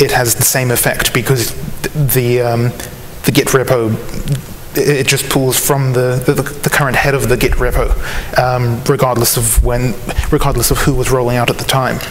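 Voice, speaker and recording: Over light background noise, the speech moves at a moderate pace with long, frequent pauses and monotone, flat intonation. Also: man. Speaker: conference presenter. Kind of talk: technical talk. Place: hall. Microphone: lapel.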